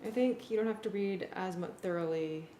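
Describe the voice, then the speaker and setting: A woman's voice: mid-range voice, fairly quick. Casual woman in a noisy, echoey room. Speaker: music arranger working with a collaborator. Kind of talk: casual working discussion. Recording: echoey room, clear background noise.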